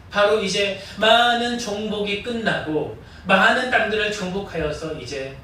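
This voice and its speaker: A man's voice: high-pitched, bright, forceful tone, a little hiss or hum. A man pastor preaching a sermon in a church, leading the congregation in call-and-response. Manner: earnest preaching with repeated call-and-response prompts. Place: church sanctuary. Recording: echoey church hall, distant mic.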